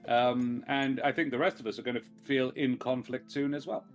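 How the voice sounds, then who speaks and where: A man's voice: medium pitch, fairly even intonation, normal speed, faint music behind. A man playing a tabletop game, chatting casually and asking curious questions. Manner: chatty, curious, wordplay-loving. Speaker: player.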